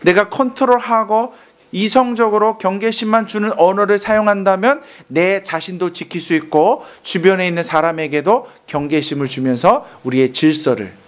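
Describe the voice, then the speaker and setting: High-voiced animated Korean male pastor. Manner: animated, acts out angry outbursts and calls for repetition. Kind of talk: sermon.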